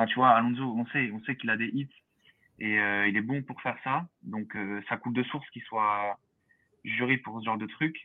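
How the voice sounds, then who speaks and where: A man with a medium-pitched voice speaks at a moderate pace with fairly even intonation and long, frequent pauses. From France, Strasbourg (Alsace). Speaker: rapper. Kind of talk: casual chat.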